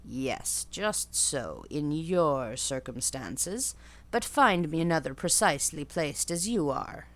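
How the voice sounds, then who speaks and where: A woman's voice: animated, fairly bright tone, exaggerated voice. Woman doing a harsh old gypsy crone. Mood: oracular. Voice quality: harsh, deliberate. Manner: slow, low, emphatic pronouncements. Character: harsh old female gypsy fortune-teller.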